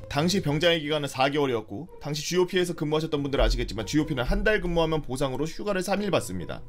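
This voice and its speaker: Animated, cursing storytelling man. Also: fairly high pitch. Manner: animated, swearing, acts out scenes with sound effects. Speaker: streamer telling stories. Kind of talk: casual storytelling and reading viewer stories.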